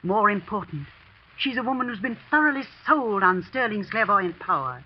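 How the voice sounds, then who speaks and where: An actress playing a grave housekeeper who speaks in a hushed, earnest, warning way, in 1940s radio acting style. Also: female voice, mid-range voice, expressive, normal speed, natural voice. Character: grave older woman housekeeper, confiding. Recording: dull 1940s radio broadcast with faint hiss.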